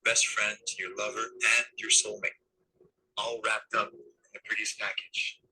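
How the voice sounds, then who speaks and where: A man reading a romantic voice-over in a slow, soft and breathy way. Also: lowish voice, flat delivery, poor audio. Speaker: voice-over narrator of a played reel.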